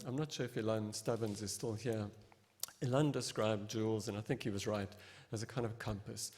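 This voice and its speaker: A man from South Africa moderating a session, speaking off the cuff with many pauses and restarts. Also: fairly low pitch, darkish tone. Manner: hesitant, many ums and restarts. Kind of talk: unscripted remarks. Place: lecture hall. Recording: lecture hall reverb.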